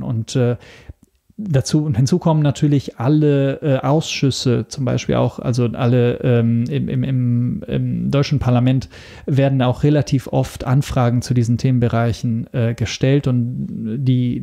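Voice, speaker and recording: Very dark, creaky man with Italian accent. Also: medium pitch. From Italy. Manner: hesitant, searching for words, measured. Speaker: interview guest, media information expert. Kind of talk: explanatory interview talk.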